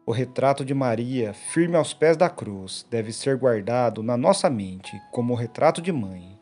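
A man reading the daily gospel and a short reflection in a solemn, measured liturgical manner. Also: medium pitch. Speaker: gospel reader and preacher. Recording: soft instrumental music behind.

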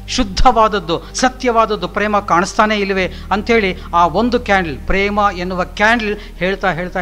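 Give me a middle-aged man lecturing emphatically with repeated lists, in a high, bright voice. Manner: emphatic, repetitive lists, mixes in English words. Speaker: professor giving a lecture. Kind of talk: motivational lecture.

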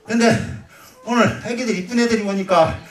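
A man's voice: sits high, moderate pace. A man performing as a pumba street entertainer, out of breath, joking and teasing the crowd on an outdoor festival stage. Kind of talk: live comic stage banter. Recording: roomy, distant, crowd noise.

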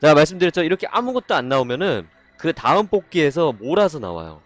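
A man doing casual live-stream commentary on game gacha pulls, excitable, swinging from calm explaining to loud exasperated outbursts. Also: a little high, fast, no room sound.

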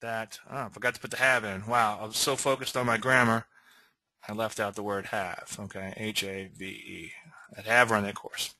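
Bright-voiced Cajun man teaching trading. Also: on the low side, level tone, moderate pace, dry recording, low-quality recording. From Louisiana. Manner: folksy, asks okay often, self-deprecating asides. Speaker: trading educator. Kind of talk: screen-share webinar lecture.

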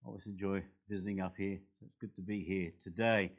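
An older man in his sixties with an Australian accent, a guest preacher at a church pulpit, a little hoarse from a recent cold, building to forceful, emphatic preaching. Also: low-pitched, fairly even intonation, brisk. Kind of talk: sermon. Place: church hall, indoors. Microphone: pulpit microphones.

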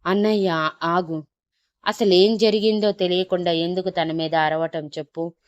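A woman voicing a caring young man who gently urges and reassures. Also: fairly low pitch, steady tone, unhurried, no echo, dull audio, close to an everyday voice. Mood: concerned. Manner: gentle, urging.

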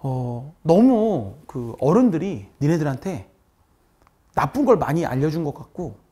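A middle-aged man, a math teacher, giving his students an earnest farewell talk. He lectures with feeling, repeats key words, and drops into soft asides. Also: fairly high pitch, sing-song, a little slow.

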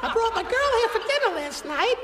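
A man voicing a brash, wisecracking ventriloquist dummy with a squeaky voice and cocky comic patter. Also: sing-song, brisk. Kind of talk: scripted ventriloquist stage act. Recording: faint noise and club crowd behind.

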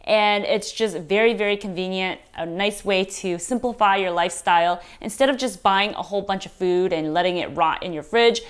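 A woman's voice: medium pitch, normal speed, few pauses, clear, resonant tone. Woman vlogger narrating a cooking how-to. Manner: friendly, relaxed instructional talk with upbeat lifts. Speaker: lifestyle vlogger. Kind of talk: cooking voice-over, casual how-to. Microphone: voice-over.

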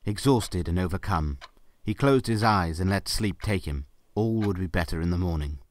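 A man's voice: sits low, lively intonation, moderate pace, a little hiss or hum. A man narrating a scripted story for an audio drama.

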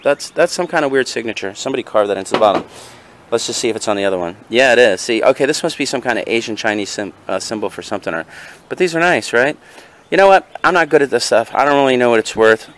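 A man's voice: mid-range voice, lively intonation, quick pace. A man from New casually rambling through his garage sale finds in a vlog, full of fillers and self-deprecating asides, recorded on a handheld camera outdoors. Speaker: reseller vlogger. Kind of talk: casual show-and-tell. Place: outdoor patio, then in a car.

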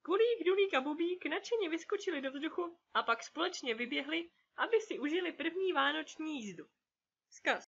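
A woman narrating a children's storybook in an expressive storytelling way. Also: high-pitched, highs cut off. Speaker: audiobook narrator.

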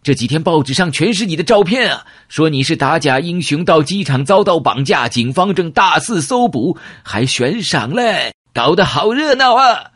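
A man voicing a chatty, nosy male taxi driver in an audiobook, with a husky voice. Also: a little high, big pitch swings, moderate pace, few pauses, a bit bright, no room sound, clean studio sound, voice pushed up, full character voice. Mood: excited. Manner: gushing, nosy.

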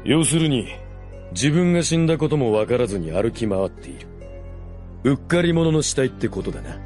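An actor playing a blunt, sarcastic male warrior who taunts in rough speech in a Japanese radio drama. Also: mid-range voice, animated, a little fast, darkish tone, soft background music, close to an everyday voice. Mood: mocking.

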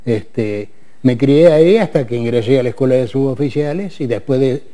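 This Argentine guest, a retired soldier in his eighties from Córdoba, sounds warm and medium-pitched at a moderate pace. He hesitates a lot in his Argentine Spanish, full of fillers and false starts, during a casual TV studio interview picked up on a lapel mic.

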